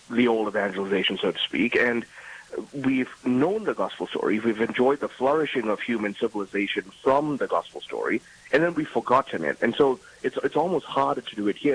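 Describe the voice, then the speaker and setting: A man's voice: medium pitch, a little hiss or hum, low-quality recording. A man from Malaysia, a guest author, explaining his ideas thoughtfully in a radio interview.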